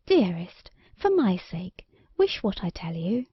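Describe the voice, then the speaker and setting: A woman's voice: fairly low pitch, very animated, takes it slowly, husky, dry recording, highs cut off, exaggerated voice. Tender, coaxing storybook queen read by a woman. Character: loving, tender fairy-tale queen and mother. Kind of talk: storybook character dialogue.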